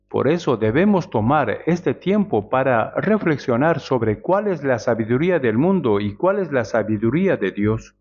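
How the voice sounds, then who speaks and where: A male preacher giving a measured sermon, often asking the congregation rhetorical questions. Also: mid-range voice, a little mellow. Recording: dull lo-fi sound.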